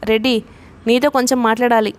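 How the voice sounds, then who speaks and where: A woman's voice: on the high side, little pitch movement, a little fast, lightly acted. A woman reading as a worried scheming man. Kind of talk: reading a novel aloud.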